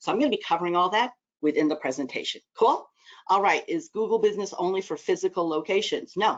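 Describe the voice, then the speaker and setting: A woman with a Texas accent speaks with lively intonation. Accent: Texas Southern drawl. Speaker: marketing trainer. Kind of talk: webinar presentation. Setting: online webinar. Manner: animated.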